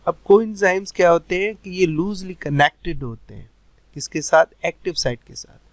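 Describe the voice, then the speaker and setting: A man teaching a biology lecture, mixing Hindi-with slowly read English textbook lines and answering his own questions. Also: high-pitched, no room sound, low-quality recording. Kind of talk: recorded lecture over animations.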